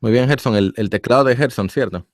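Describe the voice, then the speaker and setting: A man's voice: mid-range voice, brisk, no room sound. A man hosting a Christian radio interview show from a studio, introducing his guest and joking easily.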